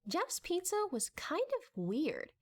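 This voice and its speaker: A woman's voice: very high-pitched, big pitch swings, slow pace. A woman reading scripted story narration in a dramatic audiobook style.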